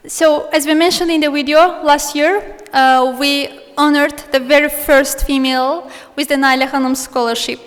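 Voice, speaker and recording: A woman's voice: high-pitched, fairly even intonation, normal speed, hardly any pauses. A woman presenting at a ceremony, formally introducing the next speaker. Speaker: event presenter. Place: hotel ballroom. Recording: long reverb of a large hall.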